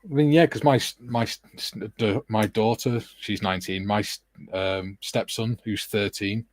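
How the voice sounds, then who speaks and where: A lower-pitched man in his forties chats earnestly on a live stream. His delivery stays fairly flat in tone, and the recording is close and dry. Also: moderate pace, dry recording. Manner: self-described monotone, earnest. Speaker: co-host. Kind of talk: casual chat on a live stream.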